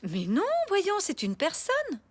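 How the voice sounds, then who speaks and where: A woman voicing a patient, playful mother in a children's cartoon, gently questioning and reassuring. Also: high-pitched, wildly swooping pitch, slow pace, heavily acted.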